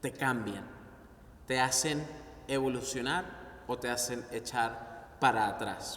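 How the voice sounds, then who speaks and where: Amid noticeable background noise and audible room echo, a man with a Venezuelan accent speaks with ordinary pitch variation. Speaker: pastor. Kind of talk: sermon. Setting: online video broadcast. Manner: halting.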